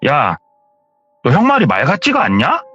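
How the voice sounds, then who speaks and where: A man doing a gruff scolding older brother. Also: on the high side, wildly swooping pitch, moderate pace, a bit bright, voice pushed up, exaggerated voice. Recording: dull lo-fi with faint music.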